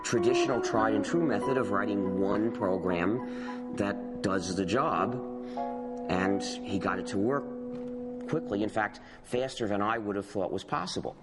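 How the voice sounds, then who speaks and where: A man explaining software history in a measured way during a documentary interview. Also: lowish voice, big-room sound, over loud music. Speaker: interviewee, software project founder.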